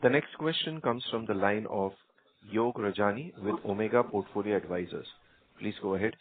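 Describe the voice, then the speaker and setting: A narrow phone line carries a man with a lowish voice. He announces in a scripted way as the operator of a conference call. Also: moderate pace, background noise.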